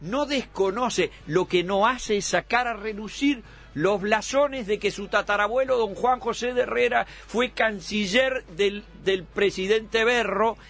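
A man's voice: high-pitched, fairly bright tone. A man in his sixties, a guest in a political radio debate, making pointed, ironic remarks. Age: 60s.

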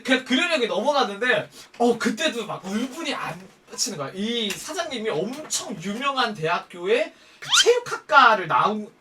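A man's voice: very high voice, sharp tone, distant mic, a little hiss or hum. Campy, profane young man telling stories. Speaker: storyteller. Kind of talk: casual comic storytelling.

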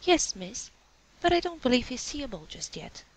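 A woman's voice: on the high side, big pitch swings, normal speed, no echo, voice pushed up, poor audio. A woman voicing a flustered, timid housemaid in a storybook, deferential and fretful, with rustic speech. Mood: deferential, wary. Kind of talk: storybook character dialogue.

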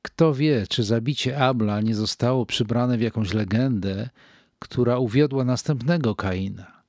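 An older man reading a wartime diary aloud in a measured, grave manner, with deliberate pauses. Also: medium pitch, darkish tone, dry recording, studio quality. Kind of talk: slow reflective diary reading.

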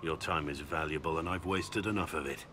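An actor playing a grim, loyal middle-aged warrior in a fantasy game, solemn and intense. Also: male voice, extremely low pitch, moderate pace, bright, forceful tone, a little hiss or hum. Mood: solemn, earnest. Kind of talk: fantasy video game acting.

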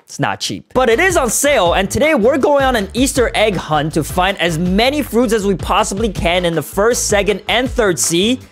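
A man's voice: sits high, normal speed. Hyped young man with a wildly swinging voice. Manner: hyped, jokey, swings between shouts and deadpan mutters. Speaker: gaming YouTuber. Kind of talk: energetic gameplay commentary. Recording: faint music behind the voice.

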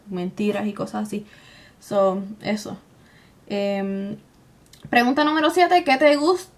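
A young woman with a Puerto Rican Spanish accent chats casually to camera, informal and colloquial, dropping in English words. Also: fairly high pitch. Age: young adult. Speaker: beauty vlogger. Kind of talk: casual chat to camera, answering tag questions. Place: small room at home, indoors.

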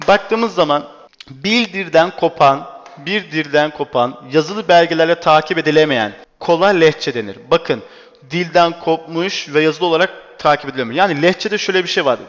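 A man's voice: on the high side, a bit bright. A male teacher giving an exam-prep lecture, repeatedly asking rhetorical questions and answering them himself. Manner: quizzing with rhetorical questions, repetitive. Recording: dull echoey classroom recording.

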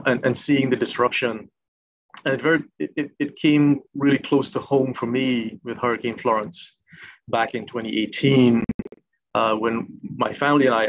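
Male panelist, middle-aged, from Trinidad and Tobago, halting conversational delivery, somewhat muffled laptop call sound. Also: medium pitch. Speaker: panelist, coastal policy manager. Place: room at home, indoors. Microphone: laptop video call. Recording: slightly dull video-call audio.

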